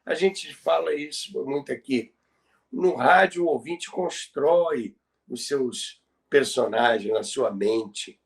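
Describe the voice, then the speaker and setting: A man's voice: mid-range voice, slow, vocal fry. A Brazilian man telling radio history conversationally as a podcast presenter, explaining things emphatically and repeating key phrases for effect.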